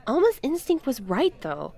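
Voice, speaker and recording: Actress doing a defiant curious woman, argumentative, really up and down pitch, audio drama. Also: normal speed, heavily acted. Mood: intrigued. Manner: expressive, argumentative. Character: Clementine, stubborn, curious, defiant young woman. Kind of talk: naturalistic audio drama dialogue.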